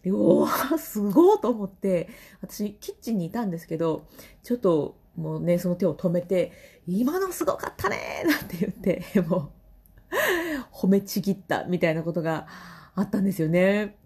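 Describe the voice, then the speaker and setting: A woman's voice: fairly low pitch, normal speed, warm tone. A woman in her thirties with a Kansai accent, hosting a casual solo podcast and laughing often between phrases. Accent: Kansai Japanese. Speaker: podcast host and vocal trainer.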